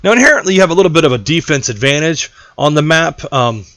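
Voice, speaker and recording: Animated, rambling gaming tutorial host. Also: male voice, a little high, fast talker, no echo. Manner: animated, rambling, jokey asides. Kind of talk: casual gameplay tutorial.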